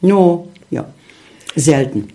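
A middle-aged man, a guest in a casual interview, talking haltingly with many fillers as he searches for words. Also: on the high side, lively intonation, warm tone.

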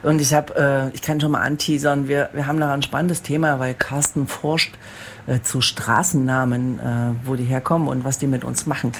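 Lively podcast host. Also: mid-range voice, slight background noise. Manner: lively, quick, asks questions. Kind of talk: casual chat.

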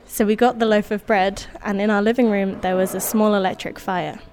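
A woman born in Indonesia, whose first language was Indonesian, telling a personal story in an unhurried, wry way with soft laughs. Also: mid-range voice, fairly even intonation, a little hiss or hum.

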